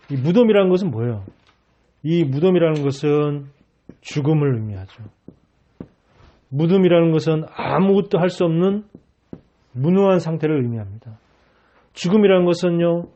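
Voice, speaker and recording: Male pastor, sermon, emphatic rhetorical questions, husky voice, dull lo-fi recording. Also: on the high side, warm tone.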